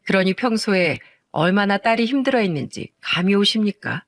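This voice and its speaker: A woman's voice: medium pitch, expressive, moderate pace, no room sound. Older korean lady telling a story, indignant and earnest, dry close mic. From South Korea. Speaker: mother telling her daughter's story. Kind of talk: storytelling narration.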